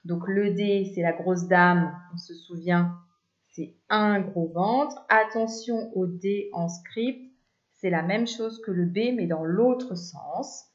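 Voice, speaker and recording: Slow patient woman teaching spelling. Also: mid-range voice. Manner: slow, clear, patient syllable-by-syllable explaining. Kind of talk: children's spelling lesson. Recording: echoey room, dull lo-fi sound.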